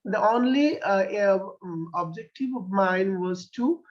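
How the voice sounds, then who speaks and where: A man with a Bangladeshi accent, a poet whose first language is Bengali, answers interview questions in a halting way. He pauses often and restarts his sentences. The recording sounds dull and lo-fi. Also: high voice. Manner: hesitant, many fillers and restarts.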